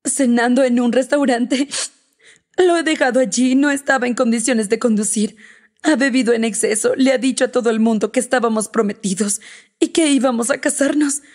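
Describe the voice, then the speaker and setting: A woman's voice: fairly high pitch, moderate pace, close to an everyday voice. A woman reader voicing a heartbroken young woman who pleads tearfully and desperately in an audiobook. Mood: upset. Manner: tearful, pleading, then soft and breathy. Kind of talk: audiobook character reading.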